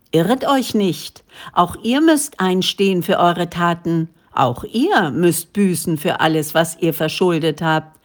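A woman reading the part of an earnest male prophet who speaks in a solemn, preaching way. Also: fairly low pitch.

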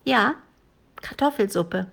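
A woman voicing a brave, chatty little girl who scolds a dragon in a high, eager voice, slow and careful in a storybook reading. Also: lively intonation, gravelly, fairly bright tone, full character voice.

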